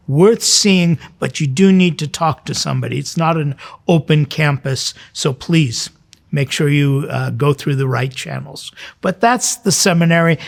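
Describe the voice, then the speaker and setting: A man's voice: a little high, gravelly. A man hosting a church programme as a priest, talking informally and explaining things directly to his viewers in a conversational way.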